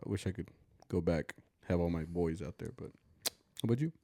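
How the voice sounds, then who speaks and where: A young man with a low, mellow voice talks easily on a podcast, rambling a little with fillers as he goes. The sound is dry and close. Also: a little fast, vocal fry, no room sound. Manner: easygoing, talkative, rambling with fillers. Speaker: podcast co-host. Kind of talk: casual podcast chat.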